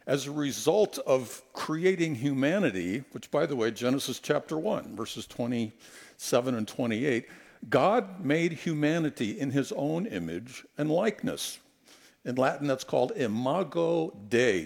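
In a church sanctuary, a middle-aged guest preacher gives a sermon through a headset mic, alternating between humorous anecdotes and scripture. His voice has a gravelly edge, and its pitch swings widely as he tells animated stories and acts out quotes.

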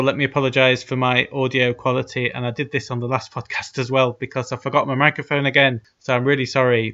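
A man hosting a casual podcast chat, heard through a cheap plug-in telephone-type microphone with low audio quality. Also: vocal fry, a bit bright. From United Kingdom. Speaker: podcast host. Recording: dull lo-fi cheap mic.

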